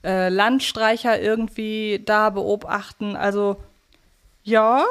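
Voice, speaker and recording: A woman's voice: mid-range voice, level tone, slow, clear, resonant tone. A woman co-hosting a podcast, talking casually and analytically in a reflective, elaborating way. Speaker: podcast co-host. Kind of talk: casual analytical podcast talk about an audio drama series.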